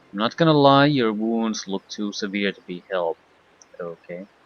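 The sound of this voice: The reading voice here sounds unforced.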